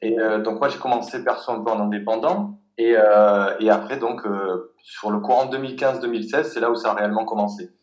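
Low-voiced man with a Provençal accent. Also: steady tone. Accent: Provençal French. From Aix-Marseille area, France. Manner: halting, many fillers and restarts. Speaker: guest, interface designer. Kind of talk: casual interview talk. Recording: echoey room.

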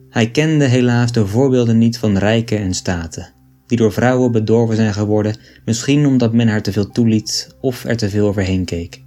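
A man reading aloud an old book in a measured, deliberate way. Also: medium pitch, dark tone. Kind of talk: scripted narration of an 18th-century text.

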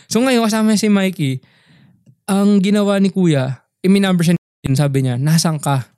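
A man's voice: high voice, normal speed, warm tone, clear, resonant tone, no echo, studio quality. Young man telling a heated story. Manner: storytelling, mixes English slang, says "bro" a lot. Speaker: podcast co-host. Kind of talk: casual chat.

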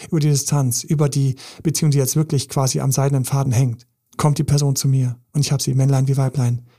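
A man's voice: medium pitch, little pitch movement, quick pace, dark tone. A man, a relationship coach giving an emphatic, intense podcast monologue full of repetition.

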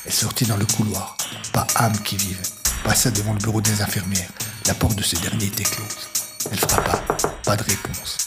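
Low-voiced man narrating a story. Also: flat delivery, moderate pace. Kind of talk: scripted narration of an audio story. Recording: music playing under the voice.

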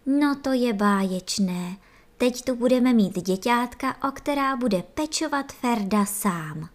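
A woman's voice: on the high side, expressive, pitched above the performer's own voice, natural voice. A woman voicing fussy, caring female nurse ants in a storybook, in a worried, calling manner. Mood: delighted.

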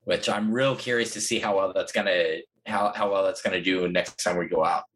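A man's voice: low voice, steady tone, fairly quick, fairly bright tone, a little hiss or hum. A man from Southern California co-hosting a podcast, talking earnestly and enthusiastically about gear and plans, often restarting his phrases. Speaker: podcast co-host. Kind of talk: casual podcast chat.

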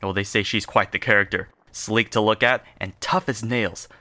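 A chatty, earnest telegram man in an old-time radio comedy. His voice is bright and forward, recorded close and dry. He comes across as an eager gossip. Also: lowish voice, steady tone, moderate pace, dry recording. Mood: chatty, confiding.

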